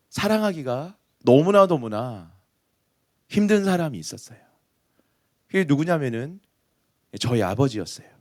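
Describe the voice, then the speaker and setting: A man's fairly high voice at a moderate pace, with very wide pitch swings, big swings in loudness and long, frequent pauses. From Chungcheong, South Korea. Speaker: pastor. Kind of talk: sermon.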